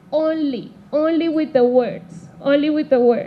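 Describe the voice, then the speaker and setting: Amid noticeable background noise, a woman talks at a fairly slow pace with lively intonation. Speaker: English teacher. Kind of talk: teacher training seminar.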